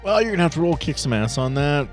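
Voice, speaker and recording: A man's voice: on the high side, sing-song, fast talker, faint music behind. A man narrating a tabletop roleplaying game as game master, in an informal way with some swearing.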